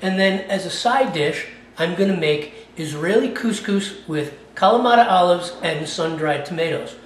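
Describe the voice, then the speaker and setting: Talking through a recipe on his cooking channel, this man keeps things chatty and tags his lines with "okay?". His voice is high and animated, at a moderate pace. The mic is somewhat distant in an echoey room.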